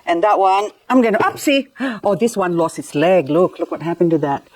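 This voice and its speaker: A middle-aged woman raised in the Philippines vlogs casually about gardening, chatting playfully as she cleans up and repots succulents, tossing in self-mocking asides. Her voice is fairly low, a little mellow, and animated, at a normal speed.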